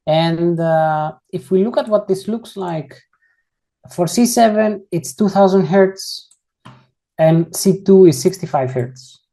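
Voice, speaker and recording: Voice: mid-range voice, slow pace, dark tone. An instructor giving an online coding tutorial, talking casually and explaining each step while often rephrasing mid-sentence, on a computer mic during a video call. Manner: frequently rephrases and corrects itself mid-sentence.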